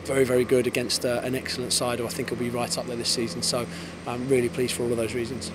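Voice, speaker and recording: A man in his thirties, an English football head coach, giving a post-match interview outdoors on a floodlit pitch at night, fast and thoughtful with many restarts. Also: level tone. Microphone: handheld interviewer mic. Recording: outdoor with clear background noise.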